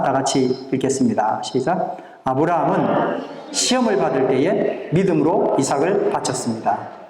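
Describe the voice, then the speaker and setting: A man's voice: sits high, a little mellow, recorded from a distance. A male pastor preaching a sermon and leading the congregation in reading together and repeating after him. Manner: leads congregation in unison reading and call-and-response. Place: church sanctuary. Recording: echoey church hall.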